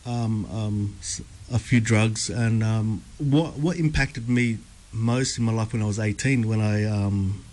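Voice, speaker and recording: A young Australian man telling his life story as a radio guest, halting, with many ums and repeated words. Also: fairly low pitch, darkish tone. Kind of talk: personal testimony interview. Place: radio studio.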